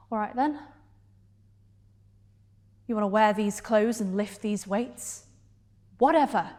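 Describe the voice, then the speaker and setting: A woman performing a dramatic stage monologue as a hurt, defiant gay woman confronting her partner, deliberately and with heavy pauses. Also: fairly high pitch, darkish tone. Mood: bitter, challenging.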